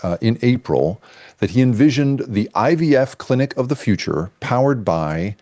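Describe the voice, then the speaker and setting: A man, a guest journalist, telling a story in a casual interview, animated and halting with restarts and fillers. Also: mid-range voice, no echo.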